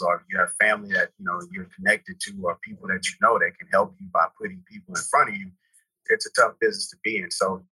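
A man from Houston, Texas, in his forties, talking as a podcast interview guest in a relaxed, rambling way full of "you know" fillers. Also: fairly low pitch, slightly rough, no echo, poor audio. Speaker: guest, real estate brokerage founder. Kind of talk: casual interview talk.

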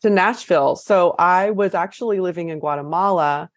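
Interview guest: low-pitched woman from California, talkative and loose, dry close recording. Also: moderate pace, no room sound. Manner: chatty, with frequent fillers and restarts. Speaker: chef and author guest. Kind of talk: casual interview conversation.

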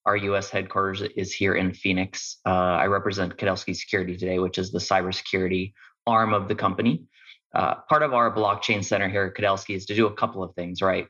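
Brief: low, flat-voiced man, casual panelist, slightly muffled lo-fi audio. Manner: casual, conversational. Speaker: cybersecurity executive, panelist. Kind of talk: panel self-introduction. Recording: dull, lo-fi sound.

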